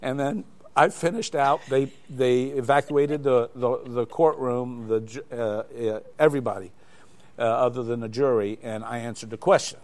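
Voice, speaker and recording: A man's voice: mid-range voice, normal speed. An older man, a guest in a live studio interview, telling anecdotes in a rambling way with many restarts. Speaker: interview guest, glider flight examiner.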